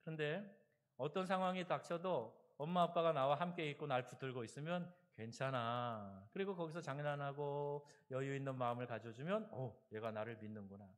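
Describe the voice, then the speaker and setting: A man in his thirties preaching a sermon as pastor, swinging between loud exhortation and quiet asides. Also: mid-range voice, moderate pace. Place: church sanctuary.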